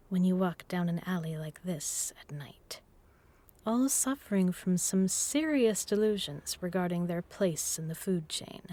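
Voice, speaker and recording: A woman's voice: lowish voice, mellow, close to an everyday voice. A woman playing a seductive, menacing vampire in an intimate audio roleplay, teasing and purring, often dropping to a whisper. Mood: mocking, teasing. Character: seductive, menacing female vampire predator toying with prey. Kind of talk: intimate hypnotic audio roleplay, slow and breathy.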